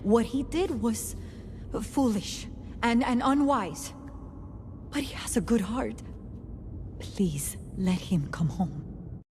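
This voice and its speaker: A woman's voice: on the high side, slow, pauses often, darkish tone, big-room sound, slight background noise. A pleading mother on a council. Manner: earnest, pleading.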